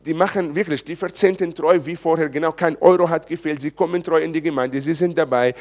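In a church service, a pastor delivers his sermon fast, in a fairly high voice with fairly even intonation. He preaches conversationally, directing questions at the congregation.

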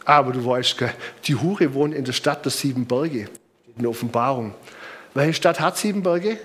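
Husky and a bit bright, this middle-aged man's medium-pitched voice moves at a moderate pace. He hails from Bamberg, Germany, and his southern German accent colors an informal sermon built on conversational anecdotes and repeated points for emphasis.

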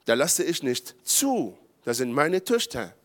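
A man from Israel, a pastor preaching a charismatic sermon in German with grammar slips, building to loud emphatic peaks. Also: medium pitch, sing-song, a little slow.

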